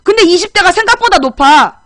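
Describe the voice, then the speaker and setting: Woman, political talk host, very high voice, blunt, repetitive, dry close recording. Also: animated, fairly quick, no echo. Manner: blunt, scolding, repeats points for emphasis. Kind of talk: casual political commentary chat.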